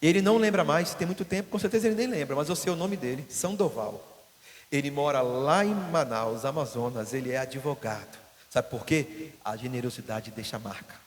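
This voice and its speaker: A man's voice: medium pitch, brisk. A man preaching a sermon as pastor in a church hall, telling stories and acting out the voices of the people in them. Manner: storytelling, acting out quoted voices. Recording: long hall reverb.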